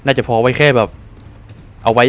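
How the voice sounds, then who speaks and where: A man doing casual let's-play commentary, excitable and exclaiming at the action. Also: medium pitch, normal speed, slight background noise. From Thailand. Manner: excitable, exclaims and swears at the game. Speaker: gaming streamer.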